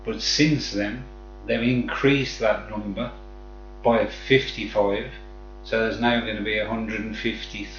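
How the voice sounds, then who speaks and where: A man with a Black Country accent talks at an unhurried pace in casual, friendly livestream chat. He addresses viewers like mates. The sound is dull and roomy, with faint music behind him. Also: fairly low pitch, steady tone. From West Midlands, England. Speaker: live streamer chatting with viewers.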